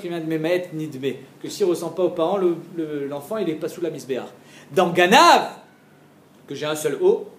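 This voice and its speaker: A man's voice: sits high, roomy sound. A man giving a daily Talmud lesson, explaining step by step, asking his listeners questions and mixing in Hebrew and Aramaic terms. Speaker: Talmud teacher.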